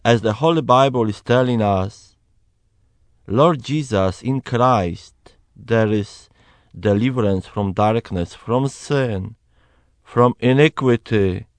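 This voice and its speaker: Slow earnest man with a Polish accent. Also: mid-range voice, no echo. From Poland. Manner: slow, earnest, emphatic preaching. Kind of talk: personal testimony, Bible reading.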